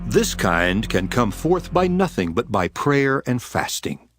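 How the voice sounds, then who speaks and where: A man's voice: medium pitch, big pitch swings, a little slow. A man playing Jesus as a solemn, authoritative teacher in a dramatized scripture reading, declamatory and commanding. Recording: music behind the voice. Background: music.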